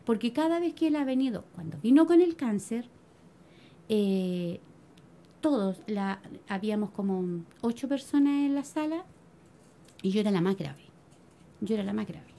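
Speaking at a moderate pace with long pauses, a middle-aged Chilean-accented woman shares her testimony before a congregation in a mid-range voice. This church member tells her story animatedly, calling her listeners brothers.

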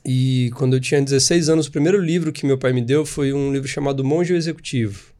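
Fast and mid-range, this man's voice carries a Brazilian Portuguese accent; he's in his thirties and comes from Espírito Santo. As a podcast guest in a casual storytelling interview, he talks animatedly about his life, chatty and fond of tag questions.

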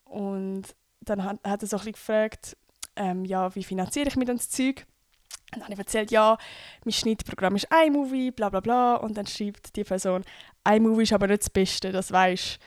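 A woman's voice: medium pitch, normal speed, darkish tone, dry recording, studio quality. A young woman from Switzerland with a Swiss accent, hosting a podcast in a chatty, casual way, full of fillers and English slang words. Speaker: podcast host.

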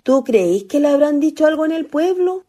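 A woman's voice: high-pitched, animated, moderate pace, warm tone, slight background noise. A woman playing a lovestruck young ghost, a naive country girl with a Chilean accent and earnest colloquial speech, in a radio play. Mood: anxious. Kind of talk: radio theatre acting.

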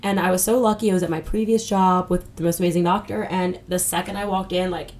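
A woman with a nasal, slightly low-pitched voice talks casually as a podcast co-host. She is candid and informal, and there is faint noise behind her. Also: fairly even intonation, quick pace, a little mellow. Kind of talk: casual chat.

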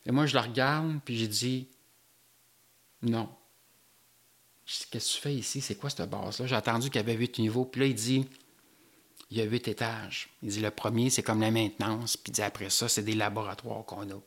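A man with a Québécois French accent, telling a personal story in an animated way with local slang. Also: lowish voice, normal speed.

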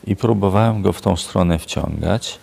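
An older man with a very gravelly, husky and deep voice tells stories from his years as a prison chaplain. He speaks slowly and reflectively, with a low, rasping tone. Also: dark tone. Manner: unhurried, reflective storytelling. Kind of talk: storytelling in a radio interview.

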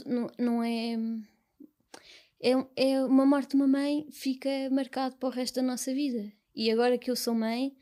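A young woman with a European Portuguese accent, speaking as an interview guest in a soft, halting, reflective way. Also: a little high. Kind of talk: personal conversation.

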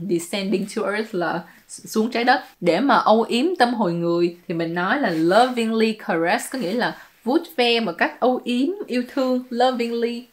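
A woman, talking at an ordinary mid pitch. She explains translations in a loose, chatty way, mixing in English terms as she goes. Her tone stays playful and conversational, like a vlogger talking to her regular viewers. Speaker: YouTuber translating song lyrics. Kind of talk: casual explanatory commentary.

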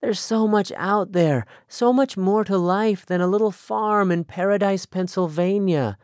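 A man's voice: high voice, sing-song, unhurried, darkish tone, no echo, pitched above the performer's own voice. A man voicing an eager young Amish woman. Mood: excited. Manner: earnest, pleading, eager. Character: spirited young Amish woman, restless and idealistic.

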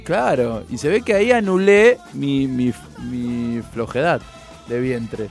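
An Argentine man with a Rioplatense accent trades stories in a relaxed football talk show, his voice rough and gravelly at an ordinary pitch. He tells his anecdotes in an animated, jokey way. Soft music runs faintly behind him. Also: slow pace. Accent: Argentine Rioplatense Spanish. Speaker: co-host. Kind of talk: casual football chat.

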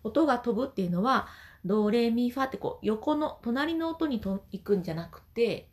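A woman vocal trainer explaining voice exercises gently and singing short demonstrations. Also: fairly high pitch, animated, normal speed. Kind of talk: voice training lesson.

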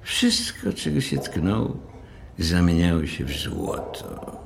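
Sztywny, wyniosły dyrektor hotelu, lekko chropawy. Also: male voice, low-pitched, huge pitch swings, takes it slowly, gravelly, background noise, exaggerated voice. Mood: pompous lecturing. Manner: formal, condescending, hesitant openings. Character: stiff, self-important, balding hotel manager, frank and cold. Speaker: actor in an audio drama. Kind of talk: audiobook drama dialogue.

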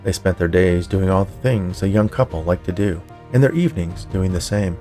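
A man narrating scripted fiction for a podcast in a measured storytelling way. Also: sits low, mellow, faint music behind. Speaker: podcast narrator, writer and producer.

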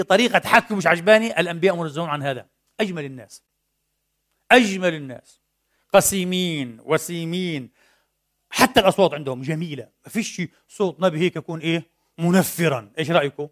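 Male preacher, high voice, rapid delivery, animated, rhetorical questions. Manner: animated, rhetorical questions, swings between loud and soft. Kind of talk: Friday sermon. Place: mosque.

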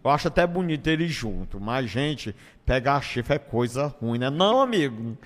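A stand-up comedian appears as an interview guest, casually telling stories in a northeastern Brazilian accent at a moderate pace with medium pitch. His colloquial delivery acts out bits and repeats phrases, and the audio carries a long, hall-like reverb.

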